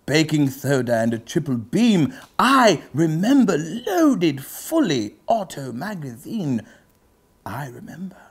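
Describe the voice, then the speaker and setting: A pompous lord acted out by a man delivers a comic dramatic reading in grand literary style. His pitch leaps and dips dramatically, and he lingers slowly over his phrases with theatrical pauses. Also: huge pitch swings, slightly rough, exaggerated voice. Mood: theatrical, savoring. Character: pompous aristocratic gentleman host, reciting rap lyrics theatrically. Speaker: comedy show host. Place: book-lined indoor study set, seated.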